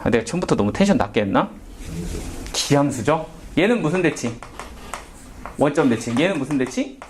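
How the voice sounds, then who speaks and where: A man's voice: a little high, very animated, brisk, a little hiss or hum. A man teaching a math lesson in a casual, questioning way, often asking and answering himself. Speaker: math tutor. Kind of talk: whiteboard math lecture.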